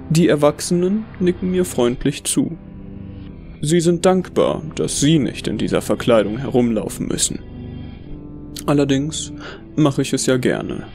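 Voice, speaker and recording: A man reading a first-person horror story as scripted narration, in a measured, brooding storytelling manner. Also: mid-range voice, gravelly, a little mellow.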